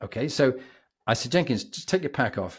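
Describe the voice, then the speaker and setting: Speaking at a very fast clip, a man with a medium-pitched, somewhat breathy voice sounds animated, his pitch swinging very widely. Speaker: leadership mentor, former army officer. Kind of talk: interview storytelling.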